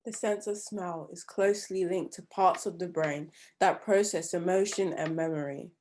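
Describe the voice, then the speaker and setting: Low-voiced woman reading aloud, faint noise. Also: fairly even intonation, normal speed, a little mellow. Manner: reads aloud from a text. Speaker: assistant reading questions.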